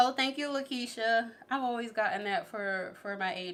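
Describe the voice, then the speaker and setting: Using a normal speaking voice with an American accent, a woman talks at a moderate pace with ordinary pitch variation. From US Northeast, Philadelphia. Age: 20s. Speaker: vlogger. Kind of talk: casual live-stream chat.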